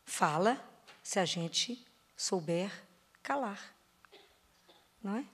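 A woman with a Brazilian Portuguese accent and an expressive, slightly rough voice preaches to a parish prayer group in a church or parish hall. She quizzes listeners with questions, slows for emphasis and drops softly low on key phrases.

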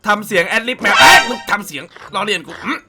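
A man hosting a casual reaction video, excitable and full of exclamations and swearing. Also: sits high, fast talker, creaky. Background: background music.

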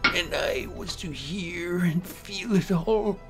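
A man narrates a horror story with slow, deliberate theatrical gravity over prominent music. His voice sits a little high, and the delivery is brooding and dramatic. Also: creaky. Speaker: narrator and amateur voice actor.

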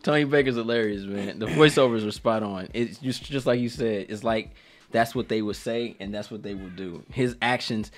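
A man's voice: lowish voice, moderate pace. A man hosting a casual reaction chat in a slangy, informal way. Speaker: reaction channel host.

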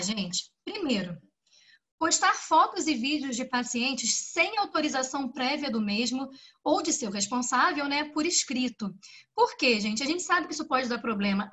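A woman speech therapist with a Brazilian Portuguese accent gives a lively, chatty lecture and often asks rhetorical questions. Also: high voice, normal speed. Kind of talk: symposium lecture.

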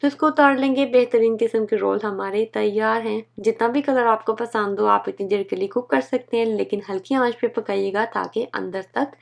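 A woman's voice: fairly high pitch, moderate pace, creaky, few pauses. A woman hosting a cooking channel, talking through a recipe step by step in a patient, instructive voice-over. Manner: instructive, repeats steps patiently.

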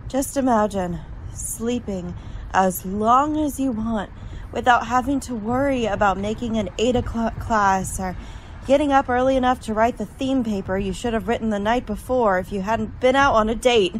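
Woman acting a fretful college girl, higher voice. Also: normal speed, a little hiss or hum, lightly acted, low-quality recording. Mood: dreamy. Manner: fretful, wordy complaining. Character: Lona, tired, grumbling young female college student. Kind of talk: old-time radio drama acting.

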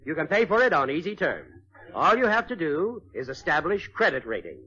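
A man acting a polite, patient jewelry salesman in a 1940s radio comedy, formal and deliberate. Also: a little high, very animated, sharp tone, husky, heavily acted. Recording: muffled hissy old radio recording.

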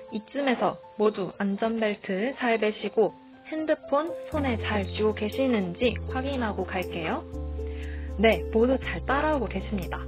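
A woman's voice: medium pitch, rough recording. A young woman narrating a walking tour, speaking cheerfully and directly to her viewers. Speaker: tour guide. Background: music.

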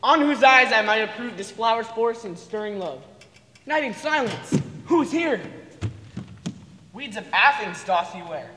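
Seeking male performer as impish fairy servant: high voice, incantatory Shakespeare, echoing theatre. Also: animated, unhurried, sharp tone, heavily acted. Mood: mischievous. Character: mischievous fairy servant casting spell. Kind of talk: staged Shakespeare reading. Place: stage in large auditorium. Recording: echoey hall, faint noise.

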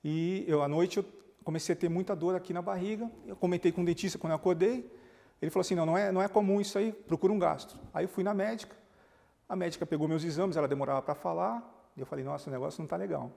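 A man's voice: sits high, quick pace, gravelly, in a large hall. A man, a pastor, telling his testimony in a TV interview, acting out quoted dialogue as he goes. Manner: animated storytelling, acts out quoted dialogue.

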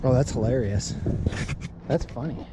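A man in his thirties hosting a fishing vlog outdoors by a mountain river, talking excitedly and saying "dude" a lot. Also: mid-range voice, normal speed. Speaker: fly fishing show host. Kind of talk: casual outdoor vlog narration. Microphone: body-worn action camera. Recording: faint wind and river noise.

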